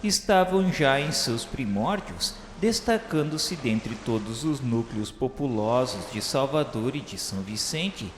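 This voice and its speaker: A man reads scripted historical narration in a formal, measured, declamatory way, like a solemn radio drama narrator. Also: mid-range voice, lively intonation, slight background noise. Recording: reverberant echoey hall sound with music. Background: music.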